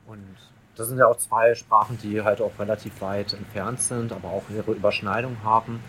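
A man talking as a podcast guest in a casual chat, reflecting slowly with frequent fillers. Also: on the low side, steady tone, sharp tone, slight background noise, rough recording.

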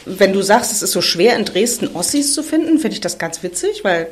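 A woman in her forties from Thuringia in eastern Germany, a guest telling her story in a lively, chatty way with frequent laughter. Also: mid-range voice, a little fast, a little hiss or hum. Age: 40s. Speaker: podcast guest. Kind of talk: casual conversation.

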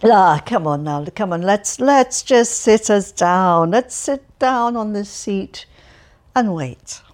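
A woman's voice: mid-range voice, lively intonation, slow pace, darkish tone. A woman reading an audiobook, voicing a cheerful, chatty elderly man who rambles and stumbles over his words. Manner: rambling, stumbling, relentlessly upbeat.

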